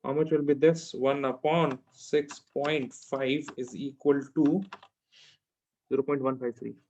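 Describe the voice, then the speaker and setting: A man's voice: mid-range voice, fairly even intonation, unhurried, darkish tone, muffled recording, slight background noise. A man with a South Asian accent teaching informally, repeating his phrases and often asking questions to check understanding. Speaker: chemistry teacher. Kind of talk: informal one-to-one tutoring.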